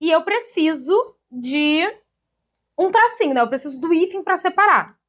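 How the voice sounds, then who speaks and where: A Brazilian woman teaching an online grammar lesson in a lively, chatty way, often checking in with her students. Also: extremely high pitch, moderate pace. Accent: Brazilian Portuguese. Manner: lively, chatty, addresses students as "gente", ends points with "tá?".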